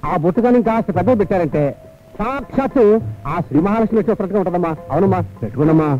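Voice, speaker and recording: A talkative young servant who flatters nonstop in a high, rapid voice. The sound is thin and phone-like, with film music underneath. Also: male voice. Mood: flattering. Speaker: film hero. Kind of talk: Telugu film dialogue.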